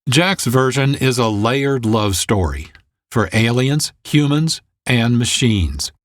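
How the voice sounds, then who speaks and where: Man, podcast host, measured announcer delivery, dry close mic. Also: mid-range voice, lively intonation, no room sound. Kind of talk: scripted introduction.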